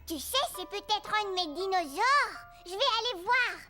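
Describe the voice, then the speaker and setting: An actor voicing a curious, excitable four-year-old boy in a cartoon, with eager, simple childlike phrasing over music. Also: very high-pitched, normal speed, full character voice. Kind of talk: cartoon dubbing.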